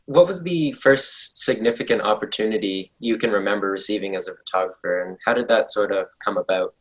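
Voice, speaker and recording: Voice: sits low, a little fast, rough recording. An interviewer asking questions with hesitant, searching phrasing.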